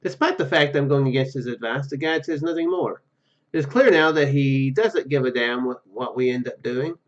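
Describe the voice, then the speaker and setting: A man's voice: mid-range voice, moderate pace, lo-fi sound. A man hosting a let's play, reading story narration aloud with stumbles and casual asides. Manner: stumbles over words while reading. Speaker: gaming video host.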